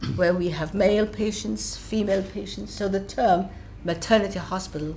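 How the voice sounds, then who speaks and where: A woman's medium-pitched voice with ordinary pitch variation, plus audible room echo and noticeable background noise. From Somaliland. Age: 80s+. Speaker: nurse-midwife and hospital founder. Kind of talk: speech to an audience. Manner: halting, with many repetitions.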